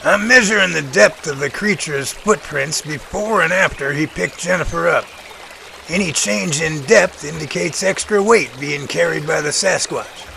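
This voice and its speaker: A man acting as a confident, methodical professor in an audio drama, explaining things precisely and deliberately. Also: on the high side, creaky, bright, forceful tone, a little hiss or hum, low-quality recording. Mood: focused. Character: confident, methodical male professor tracking a sasquatch.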